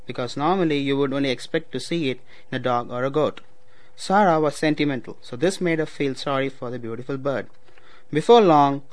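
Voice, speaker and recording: A young adult man from Tamil Nadu with a South Indian accent and Tamil as his first language, speaking in an explanatory way. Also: on the high side. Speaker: student speaker. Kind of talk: read passage, then unscripted personal account.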